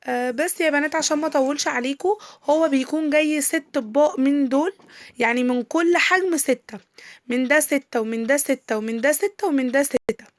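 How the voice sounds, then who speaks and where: A young Egyptian woman talks quickly in a high voice, her voice tired from a recent illness. She rambles chattily with long drawn-out fillers and trailing restarts. The sound is close and dry, recorded on a handheld camera. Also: no room sound. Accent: Egyptian Arabic. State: tired voice, still recovering from illness. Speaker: lifestyle vlogger. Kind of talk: casual product showcase chat.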